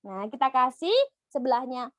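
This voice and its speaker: Animated high-voiced woman psychologist. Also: normal speed, dry recording. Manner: lively, acts out the voices of children and clients. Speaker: psychologist answering audience questions. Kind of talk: online Q&A talk. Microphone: video call.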